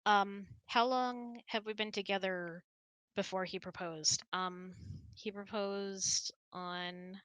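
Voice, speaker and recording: A woman's voice: medium pitch, fairly even intonation, slow, fairly bright tone, no room sound. A woman hosting a casual online hangout, chatty and self-deprecating, thinking aloud as she answers audience questions. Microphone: close mic on an online voice chat.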